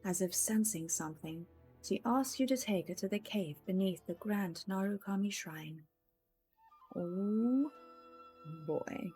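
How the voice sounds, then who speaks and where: A woman livestreamer giving casual game commentary and chatting to viewers in a soft, hesitant, musing manner. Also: medium pitch, slow pace, faint music behind.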